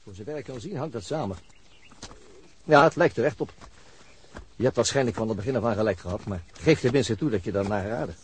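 An actor playing a matter-of-fact police detective in a radio drama, reasoning aloud in a deliberate way. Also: male voice, medium pitch, expressive, husky. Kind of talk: naturalistic radio drama acting.

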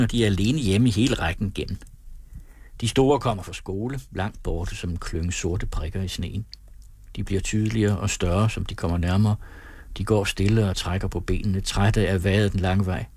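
A man reading a novel aloud as an audiobook narrator, calm and measured in his storytelling. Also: on the low side, breathy edge, no room sound. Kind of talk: scripted narration.

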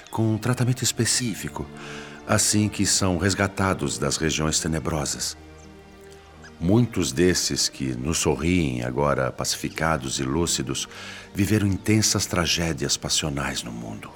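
A man playing a serene spirit guide in a radio drama, explaining things in a measured way. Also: a bass voice. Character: serene male spirit guide explaining an afterlife hospital-school.

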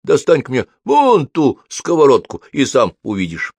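A man's voice: mid-range voice, huge pitch swings, normal speed, darkish tone, breathy edge, no room sound, voice pushed up, exaggerated voice. A man voicing a feisty, bossy old woman who scolds and gives orders. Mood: indignant. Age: older. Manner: scolding, commanding.

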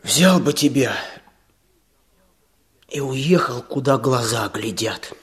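An actor playing a restless, lovesick village man in a radio drama, weary and stubborn, with a gravelly voice. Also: medium pitch, animated, slow, full character voice. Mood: pleading, yearning.

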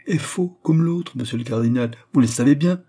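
A man's voice: medium pitch, moderate pace, mellow, voice pushed up, lightly acted. A man doing a frantic, pleading jeweler. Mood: desperate. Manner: pleading, insistent. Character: anxious, pleading male court jewelers.

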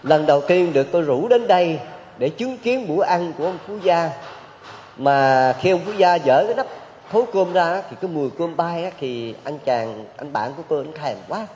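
A man's voice: on the high side, animated, normal speed, a little mellow, a little hiss or hum, lightly acted. A man voicing a loyal city man who begs a rich master on his friend's behalf. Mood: earnest. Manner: earnest, beseeching. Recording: dull hall recording with long reverb.

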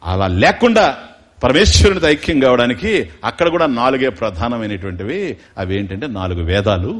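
A man giving a spiritual discourse, mixing explanation with slow, musical chanting of verses. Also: mid-range voice. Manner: animated, chants Sanskrit verses slowly and musically. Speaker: spiritual lecturer. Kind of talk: devotional discourse.

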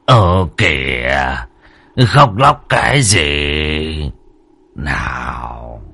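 A man doing a gruff, lecherous old landlord. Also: expressive, sharp tone, heavily acted. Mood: coaxing. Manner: slow, coaxing, gloating, low.

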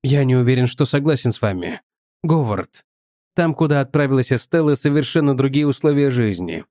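A man voicing a weary, calm old male professor in an audiobook, low and unhurried. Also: dry recording, clean studio sound, lightly acted. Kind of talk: audiobook character voice.

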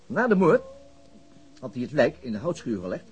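An actor playing a weary, reticent middle-aged police detective in a naturalistic radio drama, speaking haltingly with murmured filler words. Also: male voice, mid-range voice, sing-song, natural voice. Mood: wry storytelling.

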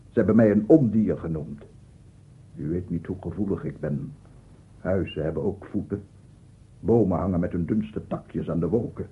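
Given in a full character voice, very hoarse and low, this radio play monologue belongs to an unstable, self-justifying 67-year-old bachelor scientist who is obsessive and aggrieved. Agitated, he pedantically insists and repeats himself. The old radio recording sounds muffled and phone-like.

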